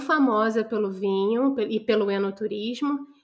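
A woman speaks at a fairly slow pace with a Brazilian accent. Her intonation is lively. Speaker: podcast host. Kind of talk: casual interview.

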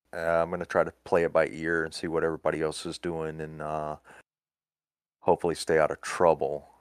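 Very deep and low, a man's voice with an American accent moves at a fairly quick pace in monotone, flat intonation, with a dry, close sound and no echo. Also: very clean recording, silent background. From US South, Florida. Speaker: sim racing driver, former police officer. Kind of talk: casual chat.

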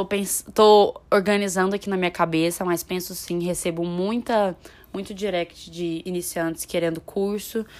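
The woman's intonation stays monotone and flat. Her pitch is medium, and her pace is moderate. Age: 20s. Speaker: family photographer. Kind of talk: casual interview chat.

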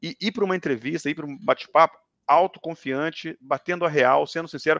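In a dry, close sound with no echo and a quiet background, a man talks at a fairly quick pace. His tone is bright and sharp, with a fairly high pitch and ordinary pitch variation. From interior of Rio de Janeiro state, Brazil. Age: 40s. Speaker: tech speaker and author. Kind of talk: conference talk in a live-streamed chat.

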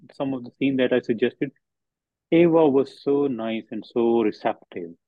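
A man with an Indian accent, medium pitch, ordinary pitch variation, and a moderate pace. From India, Haryana (Kaithal). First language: Hindi. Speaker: professor and film actor. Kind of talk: interview.

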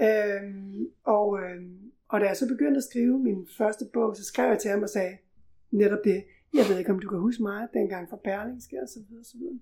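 A woman speaks with a dark, mellow tone. Her pace is moderate and her pitch variation ordinary. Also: medium pitch for a woman, big swings in loudness. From Denmark, Gråsten in South Jutland. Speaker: crime novelist and journalist. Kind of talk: casual chat.

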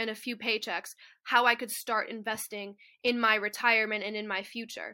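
A woman with an American accent has a plain, everyday voice, fairly high in pitch, at a moderate pace. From US Northeast, Boston. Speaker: real estate investor and entrepreneur. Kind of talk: interview conversation.

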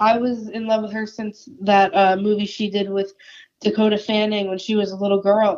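A woman with a New Jersey accent speaks at a moderate pace. Her tone is dark and mellow, at a medium pitch. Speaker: guest. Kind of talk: casual chat.

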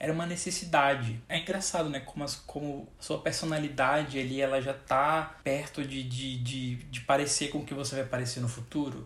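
A man with a fairly high pitch talks at a moderate pace with fairly even intonation and hardly any pauses. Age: 20s. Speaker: podcast co-host. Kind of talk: casual chat. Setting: recording in the same room at home.

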